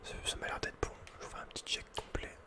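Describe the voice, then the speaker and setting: Whispering Frenchman, casual gaming ASMR. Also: quick pace. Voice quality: breathy, unvoiced whisper. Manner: casual, slangy, muttering to himself. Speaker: ASMR video game streamer. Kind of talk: whispered ASMR gameplay commentary. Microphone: close microphone.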